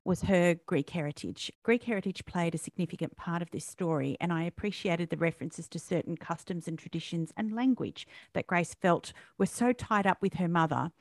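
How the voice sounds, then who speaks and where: A woman interviewing an author about her book. She asks measured, appreciative questions in a gravelly voice. The recording sounds dry and close. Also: fairly low pitch, no echo.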